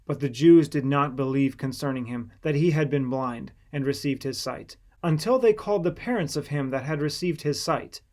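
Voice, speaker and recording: A man's voice: a little high, normal speed, hardly any pauses, darkish tone. A man reading a scripted scripture narration as an audiobook narrator.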